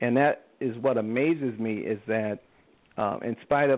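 Here a man speaks fairly slowly at medium pitch. His intonation stays fairly even. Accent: New Orleans. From New Orleans, Upper Ninth Ward. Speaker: documentary producer and genealogist. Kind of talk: interview.

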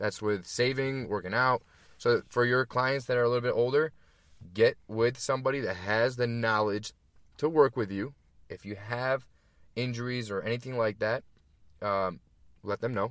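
A moderate pace with long, frequent pauses and fairly even intonation. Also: man, medium pitch for a man, very clean recording, silent background. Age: 20s. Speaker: personal trainer. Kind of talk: casual chat.

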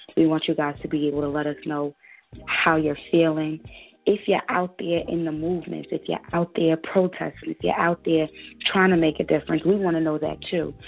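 Over music in the background, a speaker with an American accent talks at a fairly quick pace in a monotone, flat intonation. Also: woman, very deep, low pitch for a woman. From New Jersey. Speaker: radio host. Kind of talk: casual chat. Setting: studio.

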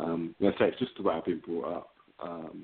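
A man with an English accent. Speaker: MMA fighter. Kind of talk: interview. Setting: phone call. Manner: halting.

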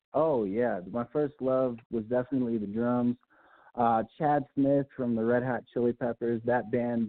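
An unremarkable speaking voice from a man with an American accent, medium in pitch and fairly slow in pace. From Michigan (Saginaw/Bay City). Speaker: musician. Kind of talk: casual interview.

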